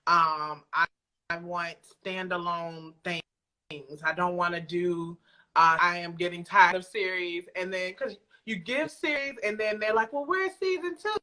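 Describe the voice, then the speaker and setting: An audio drama creator appears as a guest in a casual conversational interview, talking emphatically and playfully with lots of slang. Her voice is on the low side, unhurried, with a sharp tone.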